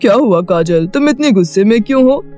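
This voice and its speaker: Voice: mid-range voice, lively intonation, a little fast, dark tone, faint music behind, close to an everyday voice. A performer voicing an arrogant, powerful father who is a minister and speaks in a bossy, demanding way. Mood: indulgent.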